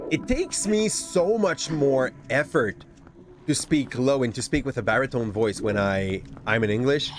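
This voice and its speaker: Brief: Quebec-accented male streamer, animated rising-falling delivery, game music underneath. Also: fairly low pitch. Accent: Québécois French. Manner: chatty, rambling, often restarts words. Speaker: gaming streamer. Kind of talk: casual gameplay commentary.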